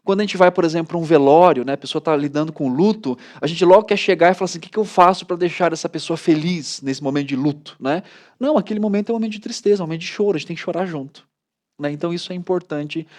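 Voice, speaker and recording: Brazilian man, pastor, animated storyteller, fairly high voice, chatty. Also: rapid-fire. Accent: Brazilian Portuguese. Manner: animated storytelling, many "né" tags. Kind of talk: casual studio talk.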